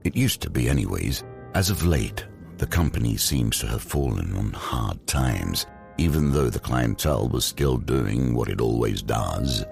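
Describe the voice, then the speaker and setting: A man playing the grave, ominous narrator of a gothic audio drama, deliberate and given to dramatic pauses. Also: rumbling low, animated, creaky, darkish tone, soft background music, exaggerated voice. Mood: wry, grave.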